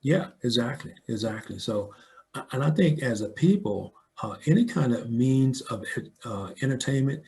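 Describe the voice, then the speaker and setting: A man's voice: medium pitch, animated, normal speed, creaky, darkish tone. An older American man talking reflectively in a conversational interview, telling stories and often checking in with the listener. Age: older, 60s or above. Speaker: audio dramatist and filmmaker, interview guest.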